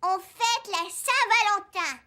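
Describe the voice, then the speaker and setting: A woman voicing a curious, cheerful four-year-old boy in a children's cartoon, with slow, simple, childlike speech. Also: extremely high pitch, pushed and bright, full character voice. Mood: eager.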